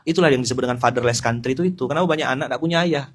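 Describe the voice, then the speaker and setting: Animated preacher. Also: male voice, medium pitch, rapid-fire. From Pontianak, West Kalimantan. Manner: animated, joking, addresses listeners directly. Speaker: Islamic preacher. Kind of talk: informal sermon.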